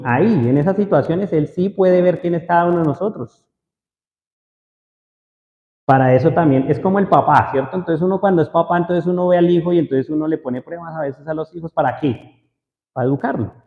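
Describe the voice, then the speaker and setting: Preacher, male, fairly high voice, questions the crowd often; dull recording in an echoey hall. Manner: asks the audience frequent questions. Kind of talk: sermon to a congregation. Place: church hall. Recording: roomy hall echo, dull lo-fi sound.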